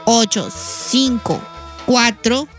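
Brief: high-pitched woman, radio sidekick, teasing and playful, music playing behind. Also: animated, drawn-out words. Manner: teasing, playful echoes of the host. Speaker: radio co-host. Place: radio studio. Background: music bed.

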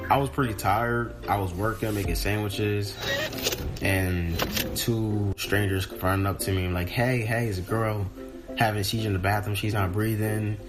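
Deep-voiced young man, earnest. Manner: earnest, plain retelling. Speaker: store worker telling of a rescue. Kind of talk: interview.

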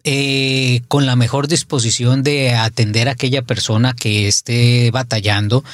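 A middle-aged man, a spiritual advisor, talking casually on radio with halting restarts. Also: mid-range voice, fairly even intonation, no room sound, studio quality.

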